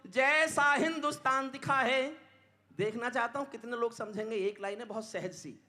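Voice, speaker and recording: A man reciting his poetry on stage in a declamatory style, dropping to hushed lines and then rising to loud, impassioned peaks, and speaking directly to the audience to ask for applause. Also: high-pitched. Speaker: poet.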